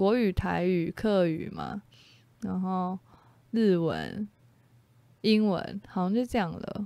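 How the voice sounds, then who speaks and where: A woman speaks very slowly at a medium pitch, her tone dark and mellow, her pitch moving in an ordinary way, on a very clean recording with a silent background. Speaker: comedy podcast co-host. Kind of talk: casual chat. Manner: mumbling.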